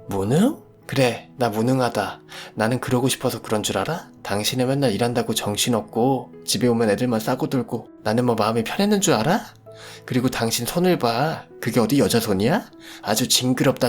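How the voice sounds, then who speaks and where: A man voicing a furious, bullying older father-in-law who shouts and curses in a storytelling radio drama. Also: fairly low pitch, natural voice. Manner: shouting, cursing.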